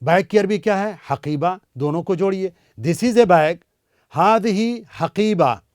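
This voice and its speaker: A man teaches a beginner language lesson in a high, light voice. He drills each word slowly, again and again, for listeners to repeat. The recording is dry and close. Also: no echo.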